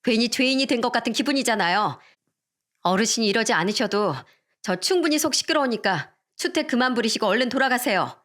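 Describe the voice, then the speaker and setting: A woman's voice: a little high, lively intonation, a little fast, a bit bright. A woman voicing a brazen pregnant young mistress who talks back cheekily. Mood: defiant.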